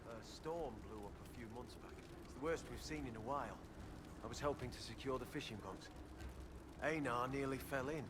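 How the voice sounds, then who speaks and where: A man's voice: medium pitch, normal speed, natural voice. An actor playing a courteous, injured and grieving tribal man in a fantasy game, speaking humbly and hesitantly. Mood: subdued. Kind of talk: scripted fantasy game dialogue. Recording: loud background noise around the voice.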